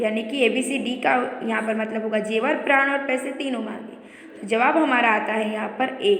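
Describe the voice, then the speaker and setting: A woman's voice: fairly high pitch, fairly bright tone. A woman teacher going through a school revision lesson, explaining step by step and listing word pairs. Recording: echoey room reverb.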